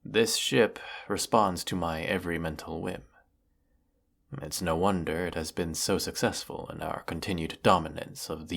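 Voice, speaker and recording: A very low-voiced, imperious galactic emperor, acted by a man, speaks slowly and with grand formality. He sounds world-weary yet menacing, with a heavy creak in the voice, as in a scripted sci-fi audio drama. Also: exaggerated voice. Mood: softened, teasing. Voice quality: low, gravelly. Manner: pompous, theatrical, formal, drawn-out phrasing. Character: weary, menacing galactic evil emperor, secretly fond of servant. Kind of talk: scripted audio roleplay monologue.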